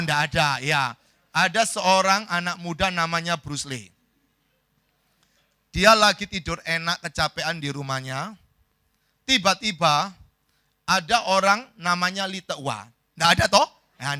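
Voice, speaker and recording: A male pastor, telling a story in a lively sermon and quizzing the congregation. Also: fairly high pitch, dry recording, studio quality. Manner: lively, asks the congregation questions.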